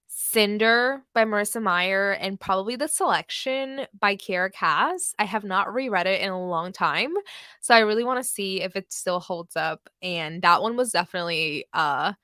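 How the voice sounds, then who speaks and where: A woman's voice: medium pitch, pushed and bright, dry recording, studio quality. A young woman hosting a book livestream, chatting casually with lots of fillers and small laughs. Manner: chatty, lots of likes and ums, laughs often.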